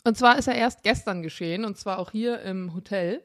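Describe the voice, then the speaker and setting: A podcast co-host, speaking from a hotel room, shares a story in a relaxed conversation, performing the dialogue loudly and laughing frequently. Her voice is medium-pitched and fairly bright, and she talks a little fast.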